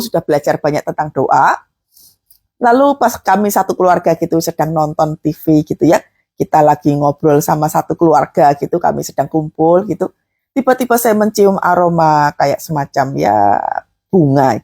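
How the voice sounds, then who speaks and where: A woman's voice: low-pitched, a little mellow, husky. A woman preacher giving an emphatic, exhorting sermon, peppered with filler tags.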